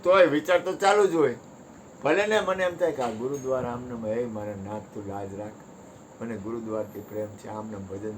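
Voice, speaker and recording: Against background noise, a man with a mid-range voice gives a devotional satsang talk in a folksy, conversational style, joking with his listeners.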